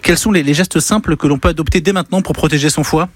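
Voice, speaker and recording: Radio host guy, high voice, chatty, teases his co-hosts. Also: fast talker, dry recording. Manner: jokey, chatty. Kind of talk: casual radio chat.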